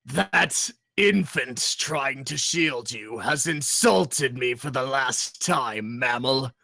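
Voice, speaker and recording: A man voicing a huge, ferocious green dragon in an audio story, with a booming, gravelly dragon voice, disdainful and slow. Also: lively intonation, pushed and bright, dry recording, studio quality, full character voice. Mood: cold menace. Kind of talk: dramatic audio story acting.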